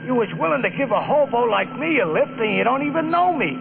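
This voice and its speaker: An actor in old-time radio horror playing a nosy, wary hobo hitchhiker with folksy, ungrammatical working-class talk. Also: male voice, very high voice, expressive, fast, vocal fry, music in the background, full character voice. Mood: pressing. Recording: noisy, dull old-time radio recording.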